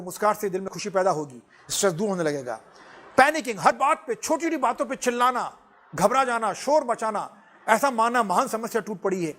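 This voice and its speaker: Lively high-voiced male lecturer. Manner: animated, lively, switches between Hindi and English, laughs often. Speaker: personality development teacher. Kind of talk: classroom lecture.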